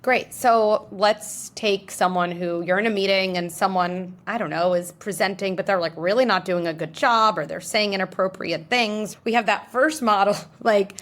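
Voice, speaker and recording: A woman being interviewed, explaining ideas in an animated way and acting out little scenarios in different voices. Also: medium pitch, moderate pace, hardly any pauses. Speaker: guest psychologist. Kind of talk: interview answers.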